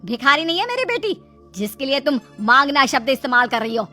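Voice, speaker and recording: A woman playing a sharp-tongued, scolding mother-in-law in a family skit. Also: high-pitched, big pitch swings, fairly quick, soft background music, heavily acted. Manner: taunting, scolding.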